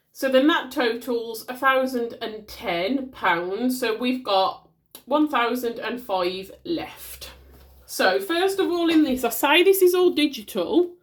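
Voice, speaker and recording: A chatty woman in her thirties with a broad Black Country accent talks through her monthly budget at a desk at home, recorded on a phone. Her voice sits a little high and sounds slightly nasal and stuffed up from a cold. She rambles in a friendly way, with plenty of ums and restarts. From West Midlands, England. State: congested from a cold. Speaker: budgeting vlogger. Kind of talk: casual chat to camera while handling a planner.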